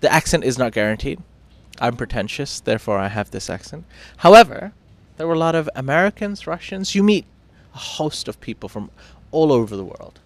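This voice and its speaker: A man's voice: mid-range voice, big pitch swings, fairly quick, hardly any pauses, no room sound. Chatty British-accented morning show man. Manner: chatty, self-mocking, with fillers and restarts. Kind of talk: casual news chat.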